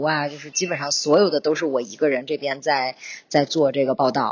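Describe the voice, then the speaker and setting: At a moderate pace, a woman speaks in a very deep, low voice. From Beijing, China. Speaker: sports journalist. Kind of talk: podcast interview.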